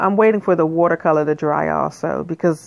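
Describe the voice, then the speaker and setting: The speech comes at a fairly quick pace, with a dry, close sound and no echo. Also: woman. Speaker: artist. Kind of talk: art tutorial commentary. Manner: casual, conversational.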